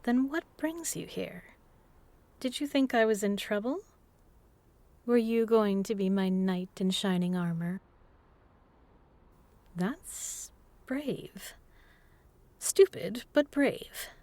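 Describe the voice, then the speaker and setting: A woman's voice: mid-range voice, lively intonation, slow pace, pauses often, dark tone, no echo. A woman playing a seductive, menacing vampire in an intimate audio roleplay, teasing and purring, often dropping to a whisper. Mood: mocking, teasing. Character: seductive, menacing female vampire predator toying with prey. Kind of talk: intimate hypnotic audio roleplay, slow and breathy.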